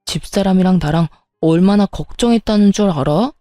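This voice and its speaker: A woman voicing a flustered young husband who scolds and tries to calm things down. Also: fairly low pitch, a little fast, no room sound, clean studio sound, soft background music, lightly acted. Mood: worried scolding. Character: exasperated young-adult husband.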